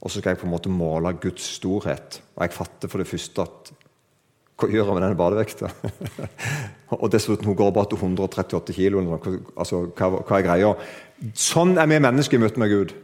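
This preacher has a low, slightly mellow voice and chats with the congregation, putting questions to them and poking fun at himself to laughter. His sermon rises into emphatic, lifted declarations.

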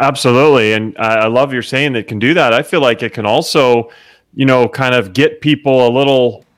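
A man's voice: mid-range voice, no echo, studio quality. A man hosting a podcast interview, upbeat and enthusiastic as he asks his guest questions. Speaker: podcast host.

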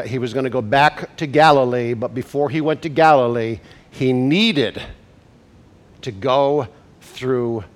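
A male pastor preaching a sermon, congested from a cold, who slows down to stress scripture and rises to emphatic preaching at climaxes. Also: on the high side.

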